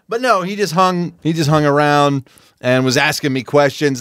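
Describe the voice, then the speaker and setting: A man's voice: on the high side, fairly bright tone, no echo, clean studio sound. A man co-hosting a podcast, telling a story in a casual chat, laughing often and acting out other people's lines. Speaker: podcast co-host.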